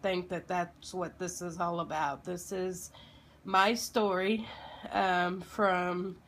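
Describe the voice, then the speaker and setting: A woman in her thirties with a slightly froggy, under-the-weather voice, telling a personal story informally and haltingly, as if to children. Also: on the low side, flat delivery, fairly bright tone, a little hiss or hum. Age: 30s. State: sick with a lingering illness.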